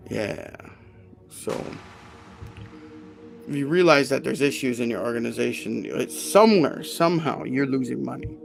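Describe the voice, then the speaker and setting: Male host, gravelly mid-pitch voice, casual HR livestream talk with faint music behind. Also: expressive, unhurried, long pauses. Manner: conversational, self-correcting, asks "right?" often. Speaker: HR consultant hosting a live stream.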